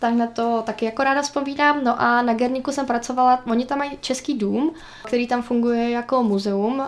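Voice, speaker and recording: Against noticeable background noise, a woman with a high pitch speaks at a moderate pace in a monotone, flat intonation. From Czech Republic, South Bohemia. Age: 20s. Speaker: university student and intern. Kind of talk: radio interview. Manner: hesitant, many fillers.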